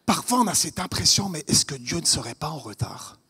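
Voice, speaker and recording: A man with a Vaud Swiss French accent preaching a sermon at a church conference, earnest and questioning, swinging between loud emphasis and hushed lines. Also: a little high, very animated, a little fast, breathy edge. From Vaud, Switzerland.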